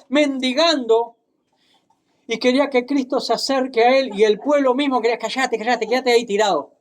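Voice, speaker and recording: A man preaching a sermon, speaking deliberately and checking in with his listeners, then reading scripture with dramatic emphasis. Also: very high voice. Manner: deliberate, tag questions, dramatic Bible reading.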